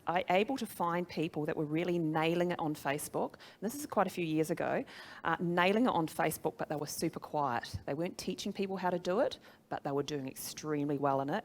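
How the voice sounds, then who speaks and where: A woman's voice: low voice, fast, a little hiss or hum. A middle-aged woman with a New Zealand accent presenting to a live audience as a business trainer, conversational and emphatic, often putting questions to her listeners. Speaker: social media trainer and speaker.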